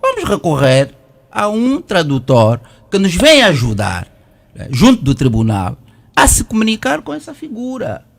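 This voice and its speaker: A man's voice: sits high, huge pitch swings, moderate pace, vocal fry. A middle-aged man from Malanje with an Angolan Portuguese accent, a lawyer on a debate panel who argues persistently and keeps talking through interruptions. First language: Kimbundu.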